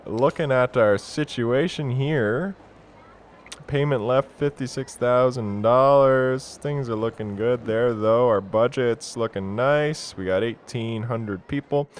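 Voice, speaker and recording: A young man from Canada giving casual, excitable commentary while playing a city-building game, swearing freely and talking to himself. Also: mid-range voice, clear, resonant tone. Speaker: let's play gamer.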